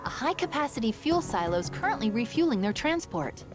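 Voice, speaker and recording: Upbeat AI companion over loud music. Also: female voice, on the high side, very animated. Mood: briefing, curious. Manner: brisk, chatty, eager briefing delivery. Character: upbeat young female military AI companion. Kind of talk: video game mission dialogue. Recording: loud game music behind.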